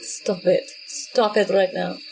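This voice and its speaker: A woman's voice: fairly low pitch, steady tone, takes it slowly, vocal fry, over music, rough recording. A woman improvising casually as a player in a tabletop role-playing game.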